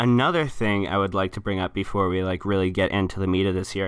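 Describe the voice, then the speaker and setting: Noticeable background noise fills the recording. Through it, a man speaks. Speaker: YouTuber trying ASMR. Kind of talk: casual interview questions.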